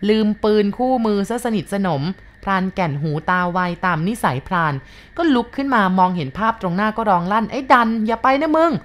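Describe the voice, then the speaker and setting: A woman's voice: medium pitch, expressive, brisk. A woman storyteller narrating a ghost story, polite and addressing her listeners directly.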